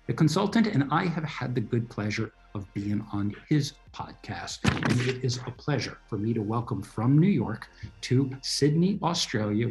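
A man's voice: mid-range voice, vocal fry, a little mellow, rough recording. An American man hosting an interview podcast, reading an introduction and asking questions with emphatic delivery. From United States. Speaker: podcast host.

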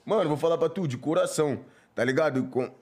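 A man's voice: fairly high pitch, fast talker, darkish tone. A man with a Brazilian Portuguese accent telling a comic story in slangy casual chat, acting out voices and sound effects.

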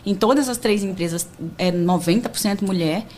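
A woman entrepreneur, a talk show guest, telling stories in an animated, emphatic way. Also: medium pitch, brisk. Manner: animated storyteller, lively and emphatic. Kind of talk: casual chat.

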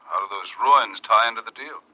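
Very sharp-voiced, brusque field manager. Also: male voice, lowish voice, fairly quick, no echo, poor audio. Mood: brisk, questioning. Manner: blunt, slangy. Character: brusque, worried American oil-company field manager. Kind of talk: 1950s radio drama acting.

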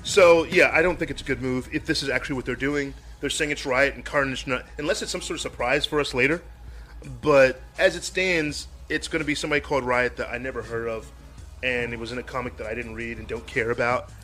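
Bright-voiced opinionated male podcast host. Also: medium pitch, steady tone, quick pace, soft background music. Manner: opinionated, frank and wry. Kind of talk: casual pop-culture chat.

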